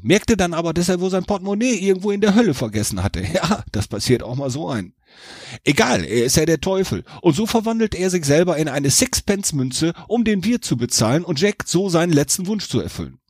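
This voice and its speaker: A man's voice: on the high side, slightly rough, dry recording. A man hosting a podcast, telling a humorous story with playful asides in a dry studio. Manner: playful asides, lively narration. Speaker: podcast host. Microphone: dry studio mic.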